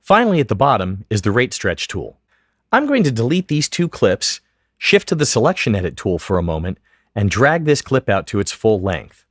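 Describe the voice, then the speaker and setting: A man giving scripted, methodical step-by-step instruction as a software tutorial narrator. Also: fairly low pitch, very animated, moderate pace, dry recording, clean studio sound. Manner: clear, methodical, step-by-step explanation. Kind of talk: scripted instructional narration over screen demo.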